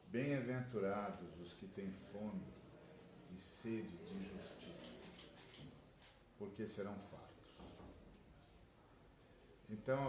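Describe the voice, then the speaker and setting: Slow deep-voiced pastor in echoey room. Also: male voice. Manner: slow, measured preaching with pauses. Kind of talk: spoken address to a group. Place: indoor room. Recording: echoey room, faint noise.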